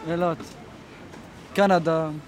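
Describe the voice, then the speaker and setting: A man's voice: a little high, steady tone, slow pace. Terse young Tunisian man. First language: Arabic. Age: 20s. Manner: terse, short answers in broken English. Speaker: interviewee. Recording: noisy street, off the mic.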